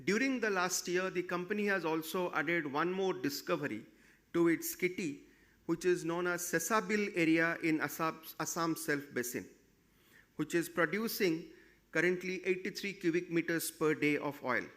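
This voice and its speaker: A man with an Indian accent, a company executive giving a formal prepared results presentation in measured, halting phrases. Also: fairly high pitch, fairly bright tone.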